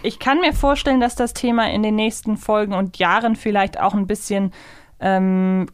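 A woman's voice: mid-range voice, steady tone, normal speed, smooth, dry recording. Woman podcaster, close dry sound. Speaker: podcast co-host. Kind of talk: casual fan discussion podcast.

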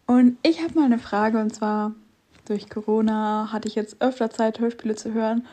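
A woman's voice: a little high, fairly even intonation, moderate pace, warm tone. A nineteen-year-old woman sending in a recorded listener question, chatty and a little rambling.

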